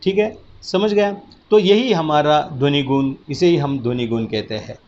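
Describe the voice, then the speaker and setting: A man teaching a recorded lesson, explaining slowly and patiently and often checking that students have understood. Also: fairly high pitch, a little mellow, dull audio, a little hiss or hum. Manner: slow, patient explaining with repeated check-ins. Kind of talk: recorded lecture.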